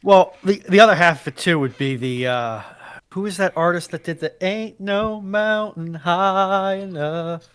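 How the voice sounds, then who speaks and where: A man's voice: high-pitched, unhurried, a bit bright, smooth, no echo. A man chatting casually as a panelist on a livestream. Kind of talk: casual chat.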